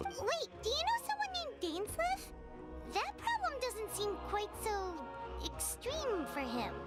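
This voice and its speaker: An extremely high-pitched, put-on character voice moves at a fairly slow pace. Loud music plays in the background. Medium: game stream. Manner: curious, casual.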